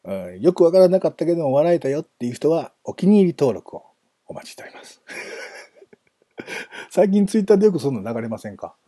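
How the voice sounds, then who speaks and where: A man's voice: on the high side, big pitch swings, a little fast, mellow, slightly rough, no echo. A man hosting a casual solo talk, chatty and self-amused, wandering off into asides. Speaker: podcast host.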